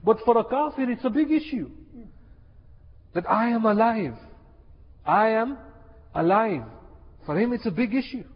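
Impassioned high-voiced male preacher. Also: animated, a little slow, pauses often. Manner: impassioned, repeats key phrases for emphasis. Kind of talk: sermon. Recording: echoey hall, dull lo-fi sound.

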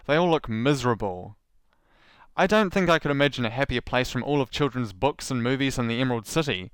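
A man's voice: mid-range voice, brisk, clean tone, no room sound, clean studio sound. A man with a New Zealand accent giving sarcastic commentary as a podcast host. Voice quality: sarcastic, animated storyteller.

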